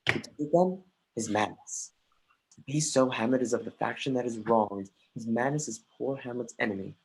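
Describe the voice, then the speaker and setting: An earnest, brooding young prince played by an actor in a dramatic reading, speaking Shakespearean verse at a middle pitch. There is a playful defiance under the courtly words, heard over a livestream. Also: normal speed, close to an everyday voice, rough recording. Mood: contrite, earnest. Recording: livestreamed remote call.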